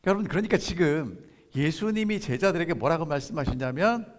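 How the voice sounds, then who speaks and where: A pastor preaching a sermon, who keeps asking the congregation questions and then answers them, and reads scripture slowly and softly. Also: male voice, fairly high pitch, expressive. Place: church sanctuary. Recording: long church hall reverb.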